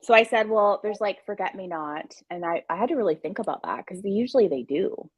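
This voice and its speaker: A woman's voice: mid-range voice, lively intonation, fairly quick, husky, dry recording, lo-fi sound. A woman co-hosting a casual book live show, chatting in an informal, effusive and emphatic way. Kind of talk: casual chat.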